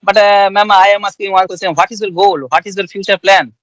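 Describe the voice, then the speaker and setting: Polite Bengali-accented man, high voice. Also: steady tone, fairly quick, fairly bright tone, no echo. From West Bengal, India. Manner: polite, formal questions, says "ma'am". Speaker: interviewer. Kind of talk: conversation practice interview.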